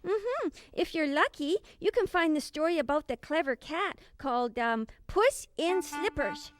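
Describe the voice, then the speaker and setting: High, muddled, childish puppet storyteller. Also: female voice, expressive, measured pace, no room sound, clean studio sound. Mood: easygoing. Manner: dithering, easygoing, exaggerated puppet-show delivery. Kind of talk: children's puppet show acting.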